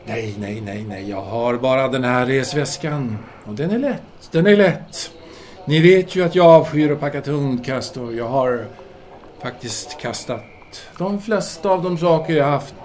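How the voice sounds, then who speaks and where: An actor playing an earnest, pedantic intellectual in an audio drama, discursive and deliberate, a man devoted to his lover. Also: medium pitch, a little mellow, natural voice. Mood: eager, relieved. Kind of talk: audio drama letter monologue and dialogue.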